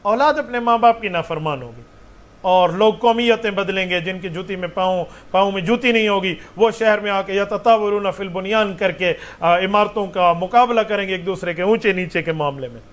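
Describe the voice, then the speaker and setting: High-voiced mufti explaining. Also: male voice, normal speed. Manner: explanatory, with rhetorical questions. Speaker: mufti answering questions. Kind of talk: religious question-and-answer.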